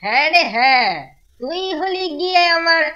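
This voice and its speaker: A woman's voice: extremely high pitch, lively intonation, normal speed, sharp tone, dull audio, heavily acted. A woman voicing an eager, fawning young male skeleton ghost in a children's cartoon, repeating himself. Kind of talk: Bengali children's cartoon voice acting.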